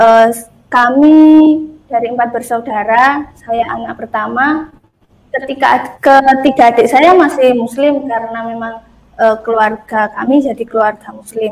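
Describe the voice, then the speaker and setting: A woman speaks fairly slowly in a high pitch with ordinary pitch variation. Her loudness swings a lot. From Riau, Indonesia. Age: 20s. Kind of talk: testimony. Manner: halting.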